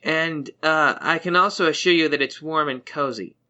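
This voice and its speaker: A woman's voice: low-pitched, moderate pace, pushed and bright. A woman playing a hesitant, obliging young fellow in a fantasy audio drama, slightly lo-fi. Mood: sheepish.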